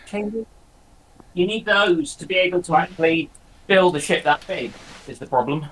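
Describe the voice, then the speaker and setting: Higher-pitched man chatting casually. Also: moderate pace, fairly bright tone, poor audio. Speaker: panelist. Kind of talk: casual discussion.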